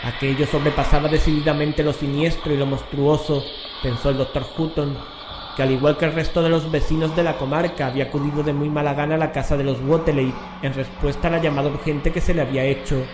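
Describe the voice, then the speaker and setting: Male narrator for horror radio drama: slightly high voice, solemn, literary, measured, roomy sound. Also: flat delivery. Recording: echoey room, clear background noise.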